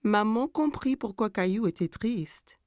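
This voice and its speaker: A woman's voice: mid-range voice, lively intonation, measured pace, darkish tone, dry recording, clean studio sound. Woman narrating a children's cartoon. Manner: clear storytelling for young children. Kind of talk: scripted children's story narration.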